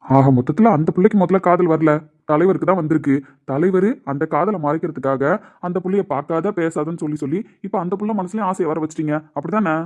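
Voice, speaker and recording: A man's voice: on the high side, fast talker, darkish tone, close to an everyday voice. A man playing Rohit, a teasing, loyal young friend in a web drama. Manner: teasing, playful. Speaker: actor in a web series. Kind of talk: dramatic dialogue. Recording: dull lo-fi recording.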